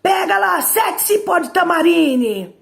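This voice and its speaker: Woman playing a shrill furious mother. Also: animated, slow pace, creaky, full character voice. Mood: commanding. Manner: shrill, commanding shouts. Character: furious strict mother ordering a beating.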